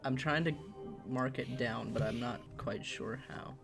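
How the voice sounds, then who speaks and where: A man playing a tabletop horror game, describing and voicing his character with a halting, filler-heavy way of talking. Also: medium pitch, creaky. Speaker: player voicing Vyacheslav. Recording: music playing underneath.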